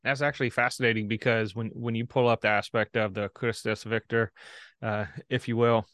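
A man's voice: medium pitch, level tone, a little fast, fairly bright tone, no room sound, clean studio sound. A man hosting a podcast conversation, talking in a chatty, rambling way with dad jokes. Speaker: podcast host.

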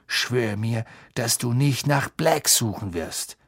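A man voicing a serious middle-aged father figure who speaks low, hushed and hasty. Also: slow, husky, dry recording, studio quality. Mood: urgent hushed.

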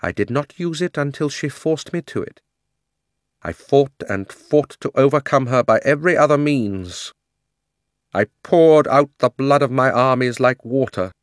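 A man's voice: medium pitch, animated, unhurried, no echo, studio quality, pitched above the performer's own voice, lightly acted. A man voicing a proud, cruel and haughty queen of enormous height, speaking in an imperious, declamatory way.

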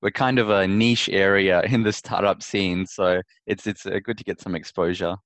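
A young man from Perth, Australia, answering interview questions in a friendly, relaxed way and repeating words as he thinks. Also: low-pitched, normal speed, no echo. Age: young adult. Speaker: interview guest, startup founder. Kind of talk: conversational interview.

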